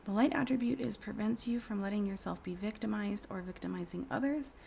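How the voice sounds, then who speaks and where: A woman in her thirties doing a casual tarot reading, hoarse from a cold, speaking softly and often in a whisper with many fillers. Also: mid-range voice, brisk, a little hiss or hum. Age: 30s. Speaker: tarot reader.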